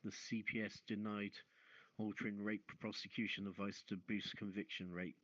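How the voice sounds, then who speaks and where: Male online radio host, low voice, news-reading delivery, halting asides, close dry but dull sound. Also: flat delivery, fairly bright tone, dry recording. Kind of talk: reading news stories aloud, chatting between.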